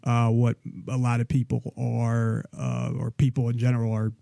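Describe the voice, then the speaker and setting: A man hosts a relaxed talk interview, his thoughts wandering and doubling back, with quick soft laughs along the way. His voice sits at an ordinary middle pitch. The sound is close and dry, with no room around it. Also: gravelly, no echo. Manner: rambling, with many restarts and soft laughs. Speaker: host. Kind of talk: casual interview chat.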